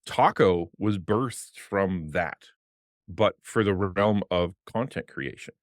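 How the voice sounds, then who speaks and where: A middle-aged man and former pastor with a deep voice, talking passionately as a guest on a video-call podcast at a desk mic. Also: slow pace, dry recording, studio quality. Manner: passionate, animated, gestures with hands. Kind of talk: casual interview talk. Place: home streaming room with colored lights. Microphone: desk podcast mic on arm, headphones.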